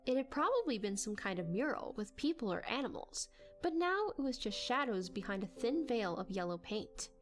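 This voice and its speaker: High-pitched, animated woman narrator. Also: moderate pace, soft background music. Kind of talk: expressive dramatic audiobook narration.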